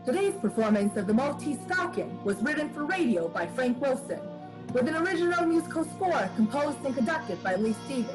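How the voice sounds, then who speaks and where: A woman's voice: high voice, sing-song, brisk, rough recording. A woman playing a formal, showy 1940s radio announcer reading scripted sign-off copy. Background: music.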